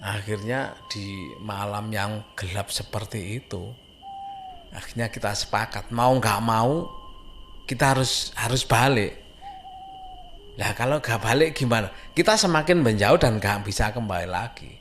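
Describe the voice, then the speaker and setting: A man's voice: fairly low pitch, a little slow, a bit bright, slight background noise. A man with an East Javanese Indonesian accent tells a scary story informally, conversational and suspenseful, repeating phrases for emphasis. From Indonesia, a Javanese-speaking village. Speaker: horror story narrator. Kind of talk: informal spoken ghost storytelling.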